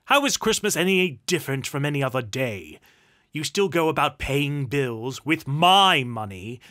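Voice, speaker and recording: A man voicing a stern, grumpy, miserly Duke from a storybook, pompous and cutting in manner. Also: medium pitch.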